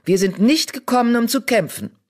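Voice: medium pitch, expressive, moderate pace, lightly acted. A narrator voicing Feuerstern, a male cat clan leader in an audiobook, commanding but friendly. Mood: firm.

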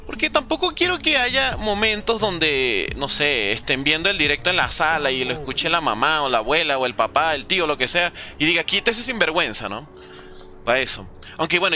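A young man in his late teens streams a game and banters with his viewers in a sarcastic, joking tone. His voice is sharp and bright, a little high for a man, and it bounces around a lot as he talks. Faint music plays behind him. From Venezuela. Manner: joking and sarcastic while reading chat questions. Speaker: gaming streamer. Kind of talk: casual livestream commentary.

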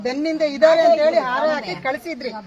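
Earnest high-voiced woman at a busy temple. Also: steady tone, fast, lo-fi sound. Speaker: devotee mother. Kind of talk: conversation at a temple. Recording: crowd chatter behind.

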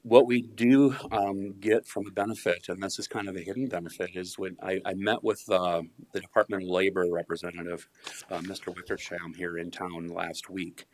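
A middle-aged man presenting a county department budget at a public meeting, polite and measured, speaking into a podium mic. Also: low-pitched, little pitch movement, darkish tone. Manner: measured, polite, uses fillers. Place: county commission meeting room.

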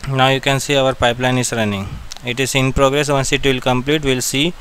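A man with an Indian accent guides a learner through software one step at a time. His voice is smooth and clear, and he gives short, repeated instructions as he goes. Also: mid-range voice, fairly even intonation, fairly quick. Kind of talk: step-by-step screen-recording tutorial narration.

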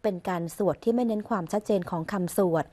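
A woman reads the royal court news as a formal broadcast voice-over. Her delivery stays measured, even and ceremonious throughout. It has the steady, scripted cadence of an official news bulletin. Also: medium pitch. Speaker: news reader.

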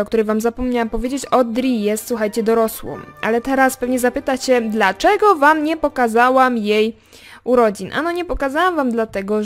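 A young woman hosting a casual game commentary, chatting straight to her viewers and swinging between excited remarks and quiet muttered asides. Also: fairly high pitch. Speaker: gaming video host. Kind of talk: casual let's play commentary.

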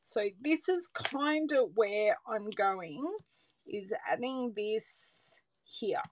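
A woman's voice: a little high, lively intonation, very slow. An Australian woman demonstrating card making, chatting casually and thinking aloud as she works, sometimes dropping to a murmur. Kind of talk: casual crafting livestream chat. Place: craft table indoors, overhead camera on hands.

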